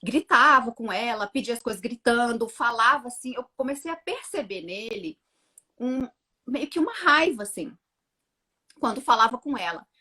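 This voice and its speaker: A woman in her thirties, a mother telling her story on a casual live chat, acting out her own words with lively energy. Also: fairly high pitch, moderate pace, slightly rough. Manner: animated storytelling, acts out her own quotes. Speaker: guest, mother of two.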